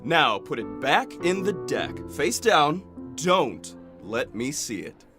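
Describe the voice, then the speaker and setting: A man's voice: a little high, very animated, slow, over music. A man playing a showy magician hungry for applause in an audio drama, with a theatrical showman's delivery.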